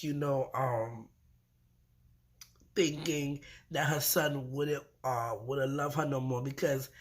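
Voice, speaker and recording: A woman with a stuffy nose from allergies, recapping a reality show in a chatty, blunt and profane way. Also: deep voice. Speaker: reality TV reviewer. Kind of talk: casual recap vlog.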